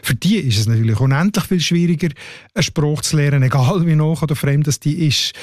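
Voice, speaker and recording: A man's voice: on the high side, a little fast, no room sound, clean studio sound. A man with a Swiss German accent, a dialect expert co-hosting a radio show, explains things patiently and keeps tagging his sentences with questions.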